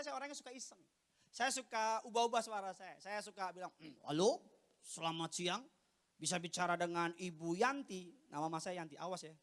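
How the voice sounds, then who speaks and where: A middle-aged male pastor preaching a sermon with lively, humorous storytelling, sometimes mimicking other voices. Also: sits high, smooth.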